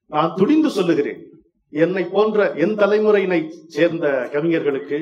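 A man delivers a formal stage speech in an emphatic, oratorical manner, his fairly high voice swelling into loud, declaiming passages. He sounds some distance from the microphone, with the roomy echo of an event hall around him. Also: highs cut off. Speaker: speaker at an inauguration event. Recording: echoey hall, voice far from mic.

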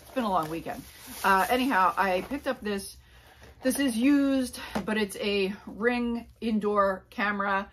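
Filmed by a tripod-mounted camera a few feet off, this Pennsylvania woman in her forties gives a casual haul chat about flea market finds from a small indoor room. She speaks a little slowly in a mid-range, fairly bright voice, rambling through fillers and asides as a reseller vlogger. A little hiss or hum is audible.

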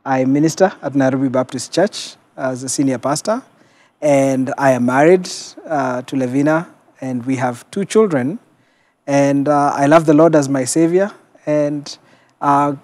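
A middle-aged senior pastor with a Kenyan accent and a slightly higher-than-average voice recounts his own story as a guest in a television studio interview. He sounds reflective, measured, and a little mellow, pausing as he goes. Recorded on a lapel mic, there is no echo.

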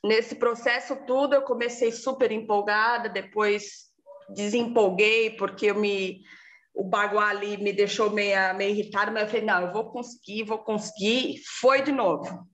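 A woman, giving a lively casual testimonial and acting out her own past words. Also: medium pitch, normal speed, dull audio.

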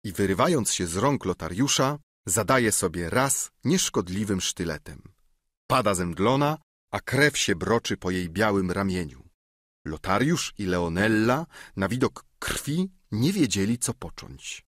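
Dude reading an audiobook, lowish voice, really expressive and dramatic, dry close sound. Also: male voice, a little slow, no echo. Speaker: audiobook narrator. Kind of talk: scripted narration.

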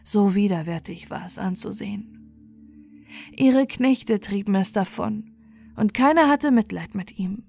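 A woman's voice: mid-range voice, unhurried, creaky, a little mellow, faint music behind. Woman narrating a bedtime fairy tale. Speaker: storyteller.

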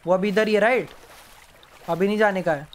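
A man streaming a horror game live, yelping, pleading and hushing as a monster comes near. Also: high voice, fairly quick, slight background noise. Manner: jumpy, yelps and pleads with the monster, then hushes to a whisper. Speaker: gaming streamer. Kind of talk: live gameplay commentary.

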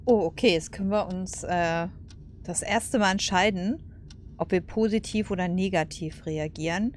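A woman's voice: on the low side, moderate pace, slight background noise. A woman casually commenting over a game, chatty, laughing and cursing at setbacks. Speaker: let's play host.

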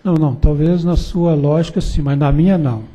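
A Brazilian man on a regulatory board speaks with a very dark, husky voice set a little high. He weighs his doubts out loud, pausing and restarting as he questions his colleagues in a public meeting. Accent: Brazilian Portuguese. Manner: hesitant, thinking aloud, questioning. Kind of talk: deliberative meeting discussion.

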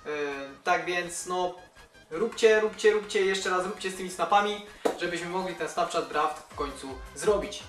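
A man's voice: high-pitched, moderate pace, fairly bright tone, faint music behind. A man casually speaking to his viewers, urging them on and repeating his request. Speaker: gaming channel host. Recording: roomy, mic set off at a distance.

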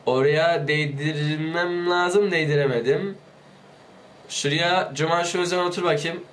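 Though he's ill and his voice might crack at any moment, this man doing let's play commentary on YouTube stays excitable, begging and shouting at his character. His pitch is fairly high and his pace unhurried.

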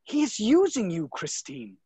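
Casting: male actor as protective young nobleman in love, husky, dry close sound, swinging intonation. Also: high voice, wildly swooping pitch, measured pace, dark tone, dry recording, full character voice. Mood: jealous. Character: earnest, jealous young viscount suitor, skeptical and protective. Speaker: actor in a virtual staged reading. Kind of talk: dramatic stage play reading. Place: indoor room, video call. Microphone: video call microphone.

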